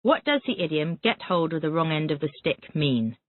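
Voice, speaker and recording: Very animated and mid-range, the voice of an English teacher reads vocabulary in a Callan method drill, then asks quick questions again and again. There's no echo; the recording is dry and thin, like a phone.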